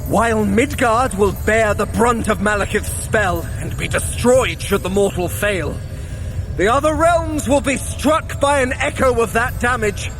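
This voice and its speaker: Wry theatrical trickster god, pitched way up, dramatic and wordy, audio drama. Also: male voice, unhurried. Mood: foreboding. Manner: dramatic, flowery, wry, swinging into urgency. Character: theatrical, sardonic male trickster god, guiding a mortal. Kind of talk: scripted audio drama acting. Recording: music under the voice.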